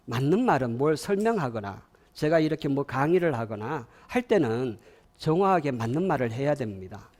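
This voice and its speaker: This medium-pitched man talks at a moderate pace with a Gyeongsang accent, lecturing parents in a lively way. He keeps asking the crowd questions and has them echo his lines back.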